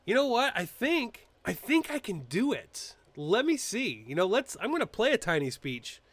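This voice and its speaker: A man's voice: high voice, normal speed. A man hosting a casual political live stream, chatting loosely with fillers and restarts, poking fun at public figures. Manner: animated, mocking impressions, frequent fillers and restarts. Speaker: political commentary host.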